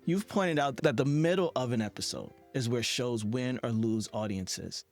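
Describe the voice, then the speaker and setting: Mid-pitched man hosting an interview. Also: normal speed, darkish tone, faint music behind. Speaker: podcast host, interviewer. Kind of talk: conversational podcast interview.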